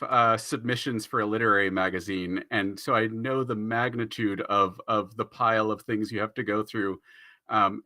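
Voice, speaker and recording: A man moderating a panel off the cuff, supportive and a little halting. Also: fairly low pitch, pushed and bright. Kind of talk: unscripted moderating. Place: remote online panel call.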